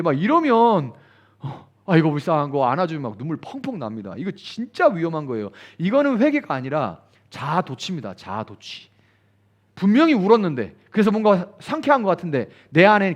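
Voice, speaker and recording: A male pastor preaching at a midweek prayer service. He speaks in a high voice that leaps up and down, acting out the people he quotes with big swings in tone. The delivery is expressive and full of emphasis. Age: adult, grew up attending church retreats.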